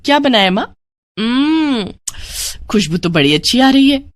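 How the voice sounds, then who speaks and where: A woman voicing a lively, cheerful young daughter in a storybook tale, bubbly and coaxing. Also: a little high, a little slow, pitched above the performer's own voice. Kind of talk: storybook voice acting.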